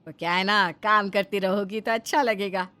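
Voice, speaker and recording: A woman's voice: mid-range voice, fairly even intonation, normal speed, sharp tone, voice pushed down, lightly acted. A woman voicing a fussy, doting middle-aged mother-in-law in a cartoon, theatrical in her scolding and fondness. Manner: scolding then affectionate, theatrical. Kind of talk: Hindi cartoon voice acting.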